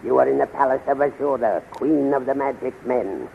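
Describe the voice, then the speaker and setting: A man playing a gravelly, menacing palace henchman. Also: mid-range voice, lightly acted. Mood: sinister, gloating. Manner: commanding, slow, threatening. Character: menacing male palace henchman of a witch queen, cruel. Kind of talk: 1930s radio serial acting. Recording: muffled, noisy 1930s radio recording.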